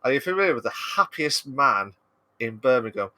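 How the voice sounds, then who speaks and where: A man's voice: mid-range voice, very animated, fairly quick, bright, forceful tone, no echo. A man with a Black Country accent from the English West Midlands, chatting casually as a guest with lots of fillers and restarts. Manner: rambling, hesitant, many fillers. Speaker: podcast guest. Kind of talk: casual video-call chat.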